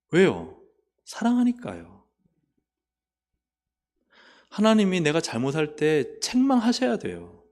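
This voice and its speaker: In a church sanctuary, a male pastor delivers his sermon by asking the congregation questions he then answers. He moves from booming urgency down to hushed, low-voiced asides.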